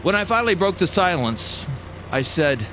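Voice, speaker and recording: A man narrating a scripted personal story with dramatic pauses and wry amusement, as a storyteller recalling his own past. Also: high voice, very animated, background noise. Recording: music behind the voice. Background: music bed.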